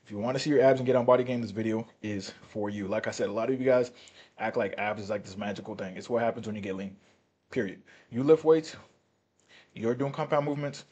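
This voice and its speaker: Male fitness coach, husky voice, rapid delivery, blunt and swearing, straight-to-camera pep talk. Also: lowish voice, darkish tone. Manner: blunt, profane, repeats "right?" and "all right?". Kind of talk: casual talking-to-camera coaching. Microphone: turned-up mic, quiet recording.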